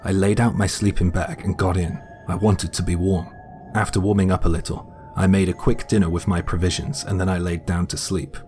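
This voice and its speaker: Casting: male narrator with a very low voice, steady matter-of-fact storytelling, light music bed. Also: brisk. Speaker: guest narrator. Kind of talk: scripted first-person story narration.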